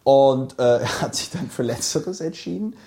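A man in casual podcast talk, spinning brash anecdotes with blunt asides. His voice is gravelly and dark, mid-pitched. He rushes through stretches in fast bursts. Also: lively intonation. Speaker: guest.

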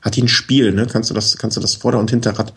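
A man's voice: fairly low pitch, fast, breathy edge. A man giving practical advice as a guest in a casual chat, explaining step by step and often checking in with short tag questions. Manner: relaxed, explains step by step, frequent "ne?" tags and fillers. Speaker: bicycle expert guest.

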